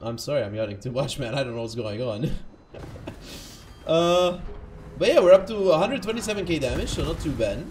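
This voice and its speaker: A man's voice: medium pitch, expressive, fairly quick, pauses often, a little mellow, a little hiss or hum. A man giving casual live commentary over his own gameplay, chatty and self-correcting, having just woken up. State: just woke up.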